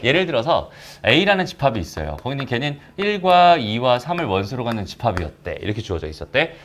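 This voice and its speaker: Lively-pitched male math teacher. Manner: chatty, asks students questions and answers them himself. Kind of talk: recorded math lecture.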